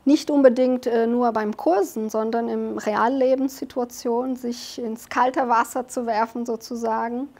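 A Brazilian woman in her forties with a Portuguese accent, answering interview questions in a fairly high voice. She speaks thoughtfully, often pausing on fillers as she searches for words. She is close on a lapel mic in an office. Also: steady tone, a little mellow. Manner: thoughtful, with frequent hesitation fillers. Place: office with large windows.

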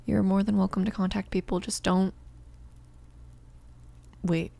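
A woman playing a tender, flustered mafia boss in an ASMR roleplay, speaking softly and haltingly, often near a whisper. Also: medium pitch, level tone. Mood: flustered, gentle. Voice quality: soft, creaky, breathy whispering at times. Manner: hesitant, reassuring, halting. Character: protective young female mafia boss, tender, flustered, apologetic.

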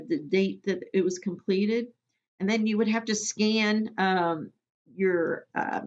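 A woman from Missouri training clinic staff in a screen-recorded software tutorial, giving plain step-by-step instructions with frequent ums. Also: mid-range voice. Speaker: immunization program trainer. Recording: dull lo-fi audio.

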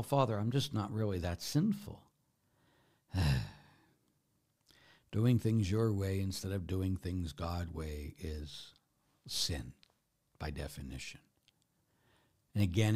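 A man, a Catholic priest giving an emphatic sermon that swings between loud declarations and quiet asides. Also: sits low.

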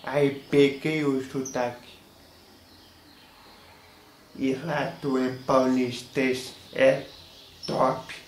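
A man's voice: mid-range voice, level tone. A young man with a Carioca accent, talking casually to the camera in a small room and explaining slang word by word. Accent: Carioca Portuguese. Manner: slow, halting, explaining word by word. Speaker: YouTuber. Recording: roomy echo, faint hiss.

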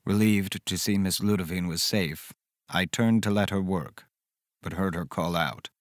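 An actor playing a caring, reflective man who recounts eerie events in measured, dramatic first-person horror narration. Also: low voice, dry recording, clean studio sound. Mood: uneasy, reflective. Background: music underneath.

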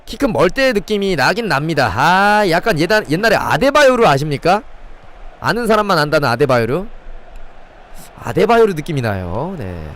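Excitable man calling live game play. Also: on the high side, moderate pace. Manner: excitable play-by-play, chatting with viewers. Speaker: game streamer. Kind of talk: live gameplay commentary.

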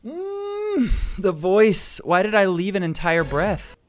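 A young man in his twenties, a gaming YouTuber, commenting on his old videos with animated, self-mocking asides into a headset mic at home. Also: sits high, slow pace. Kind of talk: reaction commentary. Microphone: headset with boom mic.

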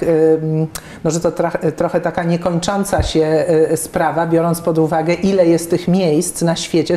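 A woman in her fifties with a low, dark and even voice speaks in an echoey office. She interviews a guest, pausing often with fillers and restarting her sentences. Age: 50s. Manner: hesitant, many fillers and restarts. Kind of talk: conversational interview. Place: office room with plants and bookshelves.

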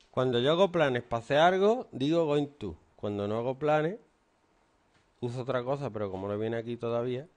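A man's voice: medium pitch, darkish tone. A stern man, teaching and lecturing a class in a classroom. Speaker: English teacher.

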